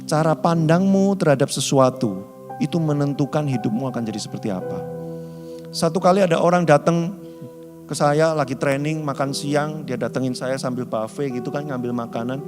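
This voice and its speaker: High-pitched pastor preaching, lively storyteller, echoey hall with soft music. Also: male voice, normal speed. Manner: lively storytelling, acts out quoted voices, often says "saudara". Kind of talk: sermon.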